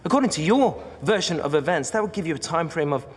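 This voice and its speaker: Man playing courtroom drama barrister, composed, probing, formal phrasing, fairly high male voice. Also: expressive, in a large hall, a little hiss or hum, lightly acted. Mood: coolly pressing. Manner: formal, measured, precise questioning. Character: composed, probing male defence barrister, sharp in cross-examination. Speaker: actor. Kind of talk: television courtroom drama acting.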